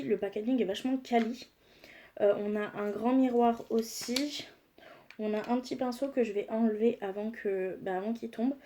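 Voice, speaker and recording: A woman's voice: on the high side, warm tone. A young woman talking casually and enthusiastically as she reviews her makeup palettes, with frequent hesitations. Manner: chatty, enthusiastic, frequent "euh" fillers. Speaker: beauty vlogger.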